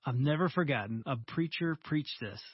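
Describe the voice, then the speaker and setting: Guy hosting a radio chat, tells stories all lively, kinda dull dry studio sound. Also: mid-range voice, normal speed, slightly rough, no room sound. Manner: animated, acts out the people in his story. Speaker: radio show host. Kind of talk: conversational storytelling.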